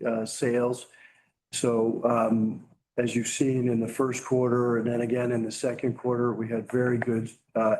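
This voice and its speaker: Male corporate executive, mid-pitched and level, answering questions on an earnings call. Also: a little mellow, poor audio. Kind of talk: semi-prepared business commentary on an earnings call.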